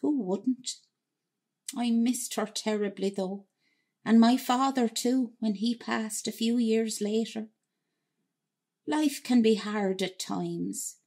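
A woman's voice: medium pitch, mellow, slightly rough. A woman with an Irish accent playing an ageing emigrant wife who reminisces reflectively in a radio drama monologue. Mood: wistful, then resolute. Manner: reminiscing, unhurried storytelling.

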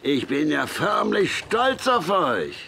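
A man's voice: on the high side, slow, gravelly, a little hiss or hum, exaggerated voice. An actor playing a jovial old frontier gunsmith, hearty and teasing with his young friend. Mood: teasing, delighted. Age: older. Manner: hearty, teasing, rising excitedly. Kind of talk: radio play acting.

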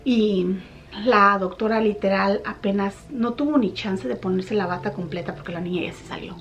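A young woman vlogger casually telling a personal story to her viewers, animated when she retells what people said. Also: mid-range voice, normal speed, lo-fi sound.

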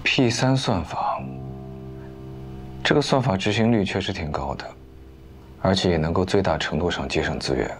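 An actor in his thirties playing a composed, confident investor, speaking in a measured, assured way in a TV drama. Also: sits low, music in the background, lightly acted. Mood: calm, assured. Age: 30s. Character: composed, confident wealthy investor, rational and devoted. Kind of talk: naturalistic TV drama dialogue.

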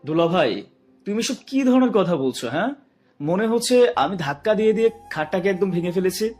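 A man's voice: high voice, lively intonation, brisk, darkish tone, faint music behind. A man playing a young groom, embarrassed and irritated, pushing back against his teasing brother-in-law. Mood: exasperated. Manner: defensive, exasperated.

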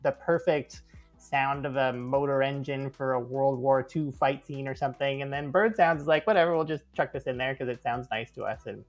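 A man, a guest on a podcast, telling animated birding stories with frequent laughter. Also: mid-range voice, normal speed, muffled recording, soft background music. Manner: enthusiastic, laughs often. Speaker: guest birder. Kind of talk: casual interview storytelling.

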